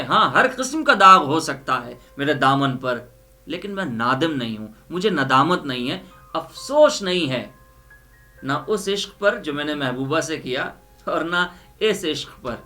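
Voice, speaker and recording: Over background music, a man's fairly high, pushed, bright voice delivers an emphatic, dramatic poetry reading and explanation, repeating lines for effect.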